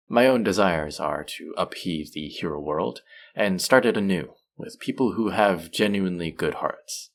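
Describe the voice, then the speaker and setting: A man playing a suave, manipulative supervillain in an intimate audio roleplay, measured and teasing, softly menacing yet tender toward his captive. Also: heavily acted. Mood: confiding, menacing. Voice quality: low, creaky voice.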